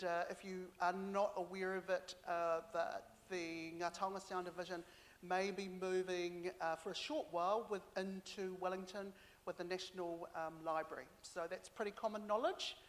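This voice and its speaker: New woman speaking in a big hall. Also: fairly low pitch. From New Zealand and Samoa. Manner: halting, with many fillers, mixing in Māori. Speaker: archive board member. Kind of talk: speaking at a community consultation.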